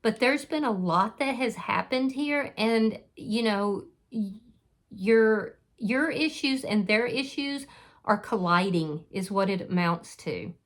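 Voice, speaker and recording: A woman's voice: mid-range voice, animated, takes it slowly. Woman doing an online tarot reading, earnest and reassuring, chatty with fillers, mid-range voice. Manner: earnest, reassuring, with many "you know" fillers and restarts; speaks directly to the viewer. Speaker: tarot reader. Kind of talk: casual spoken tarot reading.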